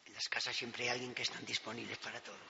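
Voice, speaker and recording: A man with a Spain Spanish accent preaching a Catholic sermon, emphatic, swinging between loud declarations and hushed passages. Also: mid-range voice, little pitch movement, quick pace, gravelly, slight background noise. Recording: long church reverb, dull lo-fi sound.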